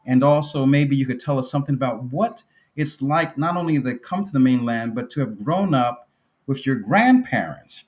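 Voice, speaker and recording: A man hosting an interview podcast, introducing his guest in a measured, formal way. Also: medium pitch, expressive. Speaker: podcast host.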